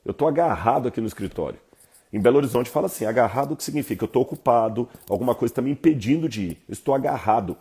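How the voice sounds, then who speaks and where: A man with a Brazilian Portuguese accent giving an informal Bible lesson, lecturing in a lively, conversational way with asides to his viewers. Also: mid-range voice, racing, breathy edge. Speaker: Bible teacher.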